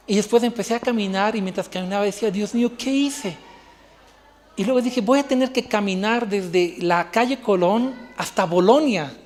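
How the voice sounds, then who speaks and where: A man's voice: high-pitched, darkish tone, in a large hall. A male pastor preaching a sermon, telling a personal story and acting out the dialogue. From Bolivia.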